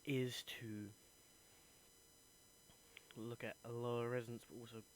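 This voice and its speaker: Earnest young man, flat delivery. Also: medium pitch, a little slow, slight background noise, rough recording. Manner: earnest, thinking aloud. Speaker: acting student. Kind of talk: reflective voice diary.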